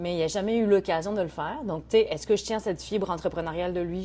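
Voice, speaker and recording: A woman with a dark, mellow tone talks at a fairly quick pace. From France. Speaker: business coach. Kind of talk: podcast interview. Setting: studio. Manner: articulate, clear diction.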